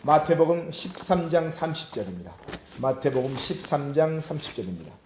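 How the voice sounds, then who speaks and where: A male pastor preaching a sermon. He reads scripture aloud slowly, then explains it in a hushed, earnest voice. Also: fairly high pitch, sing-song, echoey room, background noise. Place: church sanctuary.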